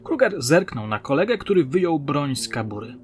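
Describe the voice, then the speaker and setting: A man reading his own crime story aloud in measured, dramatic narration. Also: on the high side, sing-song. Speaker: author and narrator.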